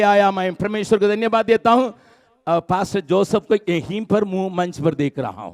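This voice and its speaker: A man with a high pitch speaks with fairly even intonation in a dry, close sound with no echo. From South India. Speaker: preacher. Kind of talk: sermon.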